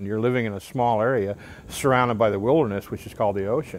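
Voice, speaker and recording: This man speaks with ordinary pitch variation. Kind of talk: interview answer. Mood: calm, explanatory. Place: workshop. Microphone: lapel.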